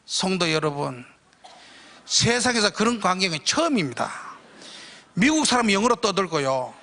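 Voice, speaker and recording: A middle-aged man telling a church testimony, animated and bursting into shouted quotes. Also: high voice, moderate pace, long reverb tail, slight background noise. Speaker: guest speaker giving a testimony.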